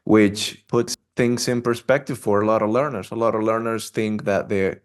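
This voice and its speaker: Low-voiced, encouraging male podcast host. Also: steady tone, normal speed. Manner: encouraging, affirming, enthusiastic. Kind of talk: podcast interview.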